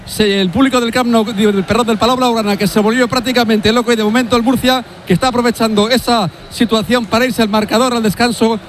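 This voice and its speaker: A man giving a brisk, factual live report into a sports radio show. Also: very high-pitched, steady tone, a little hiss or hum. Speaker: field reporter.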